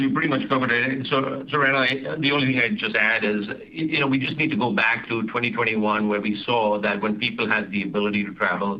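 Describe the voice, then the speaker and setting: A man speaking as a finance executive on an earnings call, in a formal, measured way. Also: lowish voice. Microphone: conference call line. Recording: dull, lo-fi conference call audio.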